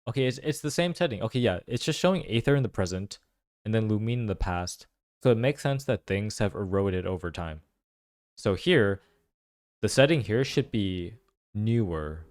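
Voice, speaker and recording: A man giving casual reaction commentary, thinking aloud in halting phrases. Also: on the low side, animated, no room sound, studio quality. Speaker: video commentator.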